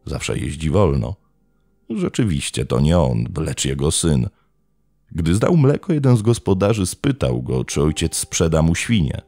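Deep gravelly man narrating true crime. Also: big pitch swings, warm tone. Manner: measured, dramatic storytelling.

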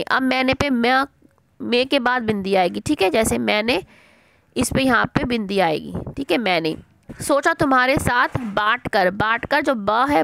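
A woman's voice: fairly high pitch, gravelly, a bit bright, dry recording. A middle-aged woman teacher giving an online language lesson to children, patiently repeating words and asking and answering her own questions.

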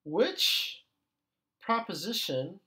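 Speaking extremely slowly, a man teaches ethics in a recorded lecture, keeping things conversational and frequently checking with listeners through "okay" and "right". His expressive pitch ranges widely, and he changes tone to act out the questions he quotes.

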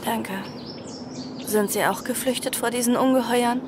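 A woman's voice: fairly high pitch, steady tone, normal speed, background noise, close to an everyday voice. A woman playing a timid, well-bred young refugee in a horror audio drama, polite and sombre.

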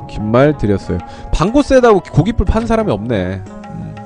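A man's voice: a little high, wildly swooping pitch, fairly quick, a little mellow, soft background music. A young man streaming an online game, chatting casually with his viewers while he trades and sets up gear.

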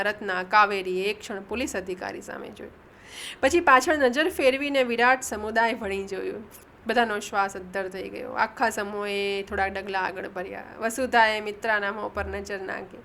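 A woman narrating an audiobook, lifting her voice for the characters' shouted lines and correcting her own slips as she goes. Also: mid-range voice, fairly even intonation, normal speed, creaky, slight background noise. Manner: reads dialogue with raised emphasis, corrects own slips. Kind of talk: audiobook reading.

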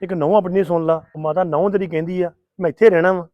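Quick, high-voiced insistent husband in a family drama, played by a man; dry, muffled sound. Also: steady tone, no echo, lightly acted. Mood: on the phone. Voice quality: insistent, grumbling. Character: impatient young husband eager to head home. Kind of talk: Punjabi family drama acting.

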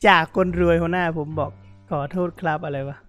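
A man commenting on a role-play game, reading chat messages aloud, excitable and often laughing. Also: on the high side, a little fast, no room sound, faint music behind. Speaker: gaming YouTuber.

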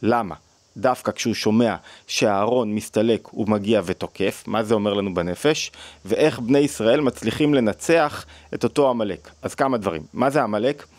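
A man's voice: fairly low pitch, darkish tone, no room sound. A man giving a thoughtful teaching talk on psychology, often asking questions and restarting sentences. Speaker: psychology lecturer on the weekly Torah portion.

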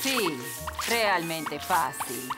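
A woman with a Latin American Spanish accent voicing a prim, exasperated fairy nanny in a children's cartoon, theatrical and crisply formal. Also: sits low, expressive, extremely slow, heavily acted. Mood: wry. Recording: loud music behind.

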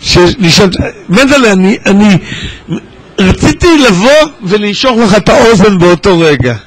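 A man's voice: high-pitched, animated, poor audio. A man mentoring students at a Hasidic gathering, teasing and joking as he calls out to people in the crowd. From Israel. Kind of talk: lively gathering talk to students. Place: large synagogue hall at a gathering.

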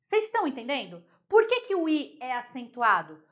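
A Brazilian Portuguese teacher, a woman, giving a lively online grammar lesson, explaining step by step and checking whether the class follows. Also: sits high, fairly quick.

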